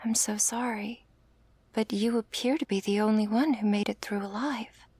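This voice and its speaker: A woman playing a young female angel in training, earnest and hesitant, in a soft, breathy ASMR role-play. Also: mid-range voice, fairly even intonation, normal speed, no echo. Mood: anxious, apologetic.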